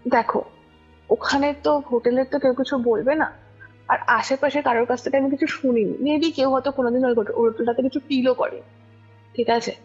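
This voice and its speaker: A woman's voice: high-pitched, fairly even intonation, a little fast, darkish tone, husky. A young woman tells a personal story casually and conversationally, often checking that her listener follows. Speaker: guest recounting a personal ghost experience. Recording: muffled lo-fi audio over music. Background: music.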